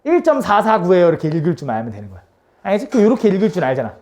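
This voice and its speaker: A woman's voice: low voice, sing-song, rapid-fire, dark tone. A woman teaching a math class, coaxing and teasing her students with constant check-in questions.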